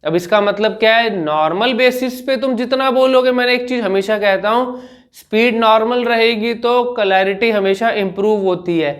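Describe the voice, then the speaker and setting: Speech coach, male, higher voice; patient, instructional vlog delivery. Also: a bit bright. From India. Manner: demonstrates sounds by repeating syllables slowly.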